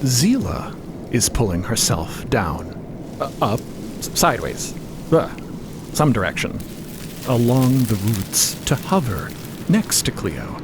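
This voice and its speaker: A man tells a story in scripted audio drama narration. He takes his time and moves expressively across his range, with clear ambient noise behind the voice. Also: medium pitch, sing-song, slow, long pauses.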